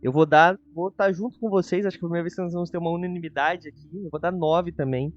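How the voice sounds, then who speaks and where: A man's voice: a little high, steady tone, fast talker, lo-fi sound. A Brazilian man hosting a reaction show, giving an informal, hedging review in casual conversation. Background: music.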